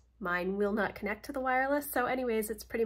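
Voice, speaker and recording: Ordinary pitch variation comes through in a somewhat breathy voice. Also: woman. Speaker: home vlogger. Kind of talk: casual vlog chat. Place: home room. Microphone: phone near.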